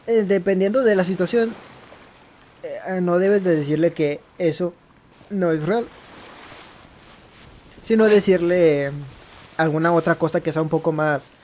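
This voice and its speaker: A man's voice: sits high, a little mellow, slight background noise. A man hosting a gaming video, commenting casually and rambling as he searches for words and rephrases. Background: game music.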